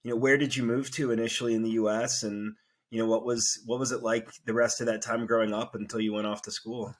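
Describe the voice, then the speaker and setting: A man's voice: mid-range voice, level tone, fast talker. A man hosting a podcast, asking curious, friendly questions with plenty of fillers. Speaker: podcast host. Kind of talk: conversational interview.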